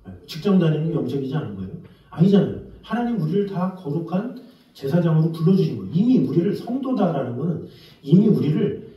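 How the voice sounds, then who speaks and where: A male pastor preaches in a lively, chatty way, his fairly high, mellow voice rising and falling widely. He sounds far from the microphone. His voice rings through a very echoey church hall. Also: fast, lo-fi sound. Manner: lively, conversational preaching, acts out quoted voices. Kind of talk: sermon. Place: church sanctuary.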